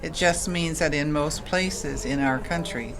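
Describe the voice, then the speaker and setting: An actress playing a kindly, patient Catholic sister in an audio drama, explaining things gently. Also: female voice, low voice, unhurried, music in the background.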